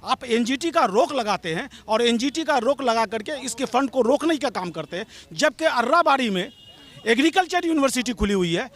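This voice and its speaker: A man's voice: very high-pitched, lively intonation, moderate pace, fairly bright tone. A man giving an impassioned, argumentative street interview, pressing his demands and repeatedly calling the interviewer madam. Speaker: local political supporter interviewed.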